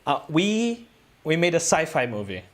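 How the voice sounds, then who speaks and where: A man's voice: on the high side, big pitch swings, normal speed. A man, a guest filmmaker telling a story in a casual interview, rambling loosely with lots of "uh" and "um". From Brazil.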